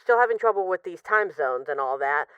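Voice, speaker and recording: A low, expressive female voice of an actress playing a fond, wry mafia boss in an audio roleplay. She rambles conversationally with sighs and hesitations, as if leaving a voicemail for the partner she misses. The sound is dry and slightly dull. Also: fairly quick, clean tone, no echo, close to an everyday voice. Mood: playful, fond.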